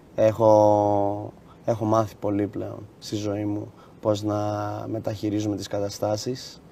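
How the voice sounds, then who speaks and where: A man with a fairly low pitch speaks at a very slow pace in a monotone, flat intonation with long, frequent pauses, in a dry sound with no echo and light background noise. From US, New York (Queens); New York. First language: English (speaking Greek). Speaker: rapper; guest. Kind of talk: interview. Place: studio.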